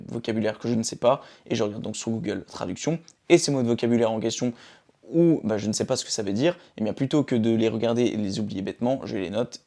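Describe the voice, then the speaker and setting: A man's voice: on the low side, darkish tone. A young man from France talking informally to his phone camera about his daily routines, often checking in with the viewer. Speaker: vlogger. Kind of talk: casual self-help talk to camera.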